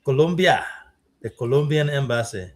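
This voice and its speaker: A man hosting a live-streamed talk show, joking with his guests and thanking them warmly. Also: medium pitch, animated, moderate pace, crowd noise. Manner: jovial, thanks guests, banters. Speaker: show host.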